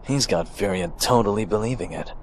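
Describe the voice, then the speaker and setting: A man's voice: fairly low pitch, brisk, slight background noise, lightly acted. A man playing a terse, aloof young male mercenary in a fan dub, dry and muttering. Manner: curt, dry, muttering asides. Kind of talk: fan dub of a game scene.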